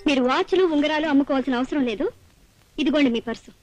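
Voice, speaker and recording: An actress playing a self-assured young college student who speaks politely and composedly, on an old film soundtrack. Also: female voice, sits high, fast, darkish tone, soft background music, natural voice, rough recording. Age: young adult.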